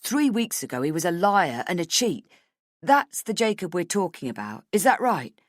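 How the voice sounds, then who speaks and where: A woman's voice: on the low side, sing-song, normal speed, dry recording, studio quality. Woman voicing an exasperated, blunt male boss. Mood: challenging. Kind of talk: audiobook character dialogue.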